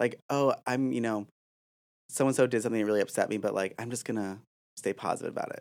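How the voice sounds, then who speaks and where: A man with an American accent talks at a very fast pace in a medium-pitched voice with fairly even intonation. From northern Michigan, US. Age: 20s. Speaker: coach and podcast host. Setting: studio.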